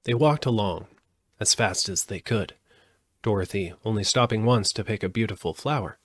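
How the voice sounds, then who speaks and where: A man reading a children's storybook aloud live, in an expressive narrating style. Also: on the low side, moderate pace, breathy edge, no echo. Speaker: audiobook reader.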